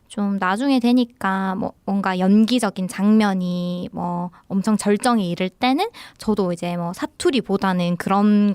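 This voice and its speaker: A woman's voice: mid-range voice, a little mellow, smooth, no echo. A young woman with a Daegu accent, a film director talking reflectively and chattily in a radio interview. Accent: Daegu dialect. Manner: chatty, reflective, laughs often. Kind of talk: casual interview talk. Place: radio studio.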